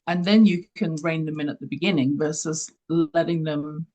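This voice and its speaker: A woman's voice: deep voice, steady tone, moderate pace, mellow. An older Englishwoman speaks as a guest on an interview. She is a leadership coach who talks with earnest conviction and leans into her key points. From London, England. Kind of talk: interview answers.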